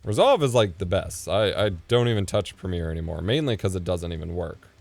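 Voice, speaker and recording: A man in his thirties live-streaming from his home setup as he edits video, thinking out loud and muttering asides under his breath. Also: low voice, animated, a little fast, vocal fry, dry recording. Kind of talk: casual live-stream commentary while video editing. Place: home streaming room, indoors. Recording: dry close mic with faint music.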